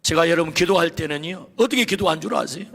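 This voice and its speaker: A pastor in his fifties preaching a sermon in a church, telling stories with swings from soft to shouting. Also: fairly high pitch, fast, creaky. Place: church sanctuary. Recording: long reverb of a church hall.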